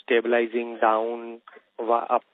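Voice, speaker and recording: A man's voice: mid-range voice, completely flat delivery, slow pace. A man with an Indian accent putting questions as an analyst on a conference call. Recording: dry, narrow phone line.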